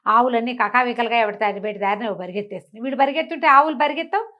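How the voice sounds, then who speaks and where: Higher-voiced woman telling a folk tale. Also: rapid-fire, muffled recording. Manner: conversational, repeats phrases and acts out dialogue. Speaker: storyteller. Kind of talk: animated oral storytelling of a comic folk tale.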